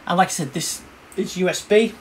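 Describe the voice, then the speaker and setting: A man giving a casual, hands-on synthesizer demo, explaining informally and a little haltingly as he works. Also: sits high, a little hiss or hum. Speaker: synthesizer demonstrator and reviewer. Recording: synthesizer music behind the voice. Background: synthesizer sounds and music.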